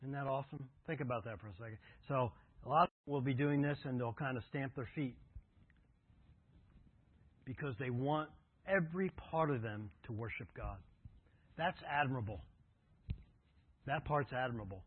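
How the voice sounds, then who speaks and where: A man's voice: mid-range voice, normal speed, long pauses, slightly rough. A man preaching a sermon, telling travel stories in a conversational way and then earnestly urging his congregation toward devotion. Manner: conversational storytelling, earnest exhortation. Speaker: pastor. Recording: tinny phone-like audio.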